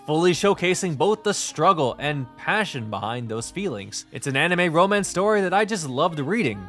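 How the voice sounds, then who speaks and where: A man narrates a scripted video review with earnest enthusiasm. His voice sits a little high and swings widely in pitch from phrase to phrase. Light music plays underneath. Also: fairly bright tone. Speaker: video presenter reviewing visual novels.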